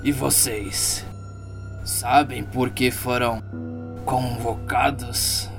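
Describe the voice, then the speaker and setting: A man playing a weary, menacing survivor in an audio drama game, speaking slowly and ominously. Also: mid-range voice, fairly even intonation, gravelly, music in the background. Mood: grave, ominous. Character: weary, menacing whisky-drinking, cigar-smoking man who hid for ages.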